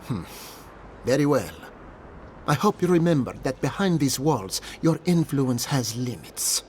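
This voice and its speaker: A man's voice: medium pitch, big pitch swings, measured pace, darkish tone, a little hiss or hum. A man playing an officious, cautious governor in a fantasy video game, formal and condescending. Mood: curt, haughty. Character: officious, cautious male governor, haughty but protective. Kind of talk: video game character acting.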